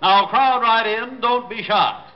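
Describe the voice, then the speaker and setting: An actor playing a carnival barker calling in the crowd with booming sales patter in a radio drama. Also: male voice, takes it slowly. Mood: hawking. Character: loud male carnival barker, showman. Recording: dull lo-fi old radio transcription.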